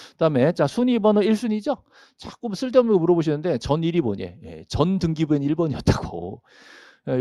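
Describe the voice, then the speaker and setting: A man's voice: a little high, warm tone, no echo, studio quality. A middle-aged man giving a classroom lecture on property registration law, asking himself questions and chuckling often. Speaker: real estate law lecturer.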